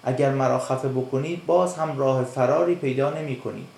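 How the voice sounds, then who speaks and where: A man's voice: medium pitch, creaky, darkish tone, slight background noise, close to an everyday voice. A man doing a bold little black fish. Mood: defiant. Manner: scornful, firm. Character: brave defiant little black fish, young, clever. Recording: echoey room.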